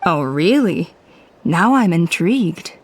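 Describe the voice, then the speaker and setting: An actress playing a composed, businesslike tribal elder in a video game, with an authoritative manner. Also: female voice, lowish voice, expressive, slow pace, a little hiss or hum. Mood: intrigued.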